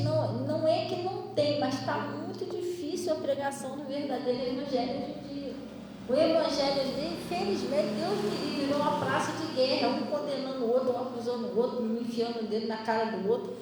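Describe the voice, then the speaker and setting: A Brazilian woman pastor preaches and tells her own story with animated, storytelling energy, her voice a touch high. She is picked up from a distance in a big church hall, so a long, booming echo trails her words. A faint hiss sits under it all. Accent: Brazilian Portuguese. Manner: storytelling, animated, laughs while telling. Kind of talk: sermon with personal testimony. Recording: echoey hall, voice from far off, faint noise.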